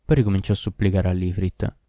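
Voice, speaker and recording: A man narrating a storybook tale in a steady, measured reading. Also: low voice, dry recording, studio quality.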